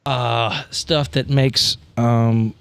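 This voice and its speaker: A male player in a tabletop game talks casually in character. He is wry and halting, rambling through his thoughts at a middling pitch, recorded very dry. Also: fairly even intonation, gravelly, clear, resonant tone, no echo. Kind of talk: casual improvised role-play in an everyday voice.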